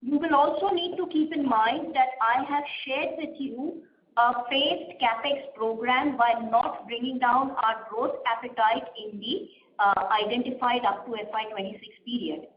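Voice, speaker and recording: A woman, a company executive answering questions on an earnings call in a measured, explanatory way, pausing often with "uh". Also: fairly high pitch. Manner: measured, explanatory, frequent "uh" pauses. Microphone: conference call line. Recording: roomy, slightly muffled conference line.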